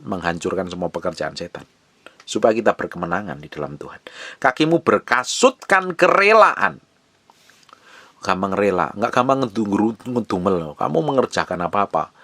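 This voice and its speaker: A man with a fairly low voice preaches a sermon with energy. He jumps into high, emphatic bursts and then falls back to quiet, measured lines. The sound is dry and close. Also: dry recording. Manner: emphatic, animated preaching with sudden high bursts and soft drops. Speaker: pastor.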